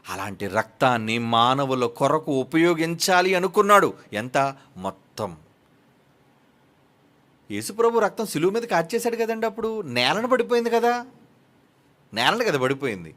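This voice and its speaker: A pastor with a Telugu accent delivers an emphatic sermon in a high, bright voice. He asks his listeners questions and answers them himself, his pitch rising and falling widely as he drives each point home. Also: big pitch swings, moderate pace, long pauses.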